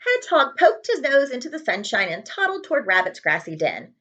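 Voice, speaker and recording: A woman hosts a children's read-aloud in a high, very animated voice. She addresses young listeners directly and adds friendly asides. The recording is slightly dull and lo-fi. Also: brisk. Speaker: read-aloud host, librarian.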